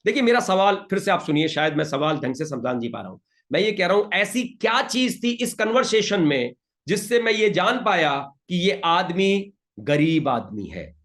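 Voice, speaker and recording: A male motivational trainer runs an interactive session in a high-pitched voice. He coaxes his listeners with repeated pleas and reads out their answers with brisk praise. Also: very animated, a bit bright. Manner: emphatic, coaxing, repeats pleas to the audience.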